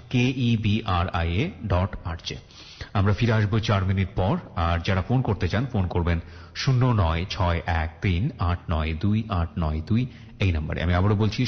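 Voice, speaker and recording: A male radio host with a very low voice talks in a measured announcer's manner, spelling out addresses slowly and clearly. The broadcast sound is dull and muffled, with a long reverb trailing each phrase. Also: slight background noise. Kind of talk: radio talk show hosting and interviewing. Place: radio studio.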